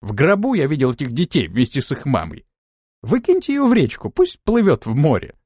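A man's voice: fairly high pitch, huge pitch swings, brisk, darkish tone, no echo, clean studio sound. A man voicing a brash, hot-tempered young lord in an audiobook, given to indignant outbursts. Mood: outraged.

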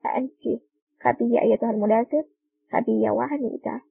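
A woman reading the lines of a cold, sharp-tongued male special agent in an audiobook, in a curt, scolding way. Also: very high voice, level tone, rapid-fire, creaky, husky, no room sound, narrow, tinny audio, exaggerated voice.

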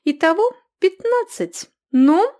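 A woman reader voicing a furious, scolding middle-aged female innkeeper who yells and nags. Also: big pitch swings, takes it slowly, full character voice. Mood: demanding. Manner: shrill, yelling, sharp-tongued.

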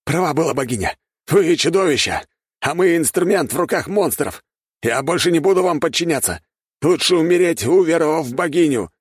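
A man voicing a defiant male soldier turning against his commanders, shouting. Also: fairly high pitch, animated, a little fast, slightly rough, dry recording, studio quality, pitched above the performer's own voice.

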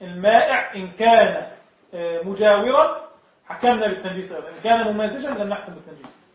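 High-voiced Egyptian sheikh in an echoey room. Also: male voice, animated, quick pace. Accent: Egyptian Arabic. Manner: explains point by point, often asks the class if it is clear. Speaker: sheikh teaching Shafi'i jurisprudence. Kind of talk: classroom fiqh lesson. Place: lecture room with students. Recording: echoey, dull lo-fi room recording.

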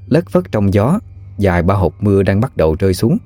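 Male narrator, very low, dry close read, steady storytelling. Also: a little fast, dry recording, faint music behind. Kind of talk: scripted narration of a ghost story.

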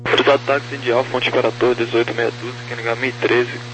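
A man's voice: medium pitch, flat delivery, fast talker. A man working as a ground controller, giving procedural taxi instructions over a walkie-talkie style radio. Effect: over walkie-talkie style aviation radio. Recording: noisy radio channel with hum.

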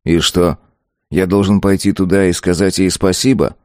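A man's voice: low voice, little pitch movement, moderate pace, darkish tone, dry recording, clean studio sound, lightly acted. A man voicing a bitter, snarling young master. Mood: dismissive. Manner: curt, snarling. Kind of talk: audiobook character voice.

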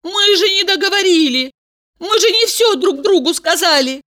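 A woman narrator voicing an impulsive young blonde woman who cries out breathlessly and pleads in a high, strained voice. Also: expressive, moderate pace, a bit bright. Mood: bewildered.

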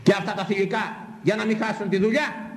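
A man's voice: sits high, flat delivery. A man, a priest, delivering an impassioned, scolding sermon with sweeping emphatic swings in his voice. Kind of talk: fiery sermon. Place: church hall. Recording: echoey church hall with long reverb.

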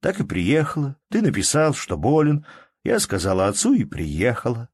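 A man voicing a young woman who is loving, lively and playfully commanding, in an audiobook reading. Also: medium pitch, moderate pace, husky, dry recording, clean studio sound, pitched above the performer's own voice. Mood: earnest.

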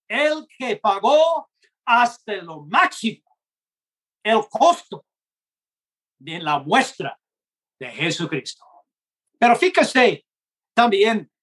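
Slow earnest man preaching in Spanish. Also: high voice, sharp tone, breathy edge. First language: not Spanish. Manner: slow, earnest, with acted-out dialogues. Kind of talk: gospel sermon.

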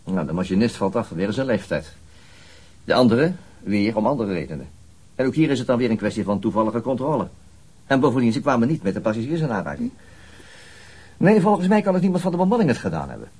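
A man's voice: mid-range voice, big pitch swings, fast, darkish tone, slightly rough. A man playing a methodical middle-aged police detective and father in a naturalistic radio drama, dryly reasoning things through. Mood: patient, reasoning.

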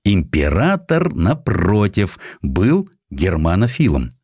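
A man reading historical stories as an audiobook narrator, with expressive scripted delivery, close on the microphone. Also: sits low, slow pace, slightly rough, no room sound. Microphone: close studio microphone.

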